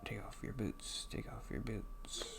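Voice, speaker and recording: A soft-spoken man with a quiet voice, halting and muttering to himself as he plays through a game, on a microphone turned up high. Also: creaky, noisy background. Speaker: gaming channel host. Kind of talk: casual gameplay commentary. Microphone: computer microphone turned up loud.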